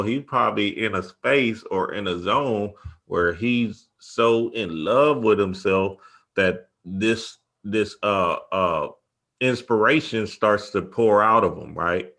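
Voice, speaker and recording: A man hosting a casual spiritual discussion, talking in a reflective, informal way with halting phrasing. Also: on the low side, vocal fry, fairly bright tone. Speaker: show host.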